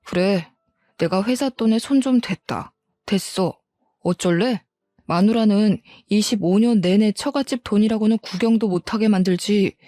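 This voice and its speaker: A woman's voice: medium pitch, mellow, no echo, close to an everyday voice. A woman voicing a resentful, self-pitying middle-aged husband in a dramatized story reading. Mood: defiant. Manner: whining, then defiant and bitter.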